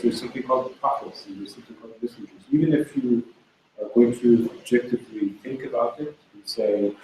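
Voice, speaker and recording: A man's voice: lowish voice, darkish tone. A man in a class speaking spontaneously, thoughtfully arguing a point through examples. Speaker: class participant questioning the teacher. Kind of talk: spontaneous discussion from the audience. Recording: echoey, distant mic with background noise.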